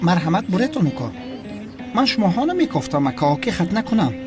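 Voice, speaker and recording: A man's voice: high voice, very animated, over music. A man dubbing a meek, evasive male priest who talks in a timid, pleading way. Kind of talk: film dub.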